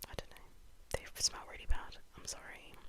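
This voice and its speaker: Someone whispers at a moderate pace. Noticeable background noise sits behind the voice. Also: woman. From London, UK. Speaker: ASMR creator. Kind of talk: casual talk to camera, ASMR ramble. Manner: whispered, soft, chatty.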